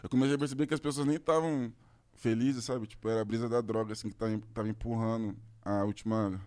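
A man's voice: lowish voice, fairly even intonation, quick pace, darkish tone. A man with a Brazilian accent telling a long personal story in casual podcast chat, rambling and full of slangy filler words. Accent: Brazilian Portuguese.

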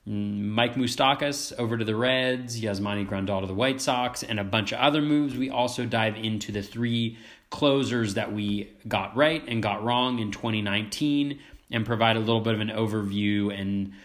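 A man's voice: lowish voice, moderate pace. A man hosting a podcast while sick with a cold, his voice cracky, sniffling and coughing as he chats with enthusiasm and plenty of fillers. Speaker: podcast host. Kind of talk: casual podcast chat.

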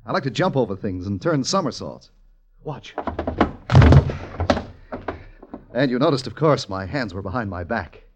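An actor playing a nimble, bossy gypsy ringleader, brisk and theatrical, in an old radio drama. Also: male voice, mid-range voice, expressive, muffled recording, very noisy, close to an everyday voice. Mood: cheerful boasting. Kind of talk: 1950s radio drama acting.

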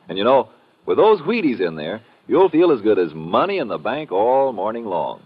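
A man's voice: on the low side, sing-song, moderate pace, breathy edge. An American man delivering a chatty, folksy 1950s radio commercial as the sponsor's announcer. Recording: dull vintage radio recording.

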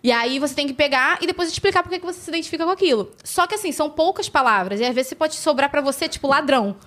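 A woman from Brazil telling animated stories as a podcast guest, acting out the people she quotes and laughing often. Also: sits high, rapid-fire. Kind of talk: casual storytelling chat.

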